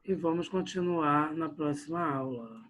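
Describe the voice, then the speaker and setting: Here a man teaches literature over the internet in a slightly high, somewhat bright voice, keeping a measured pace. He speaks directly to the class, often tossing in short checks like "né?" and "olha só" at the ends of his sentences.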